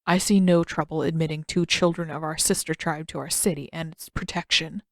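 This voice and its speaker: A woman voicing a stern male elder of a tribal council in a story, speaking in a formal, measured, authoritative way. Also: sits low, fairly even intonation, dry recording, clean studio sound, pitched below the performer's own voice. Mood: formal, reserved.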